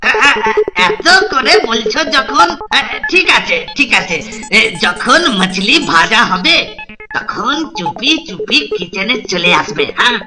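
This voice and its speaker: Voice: mid-range voice, big pitch swings, takes it slowly, loud music behind the voice. A performer voicing an obliging, sly male hostel cook in a cartoon, deferential and speaking Bengali with a Hindi accent. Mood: reluctant, conspiratorial. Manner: stammering hesitations, deferential. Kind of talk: exaggerated cartoon voice acting.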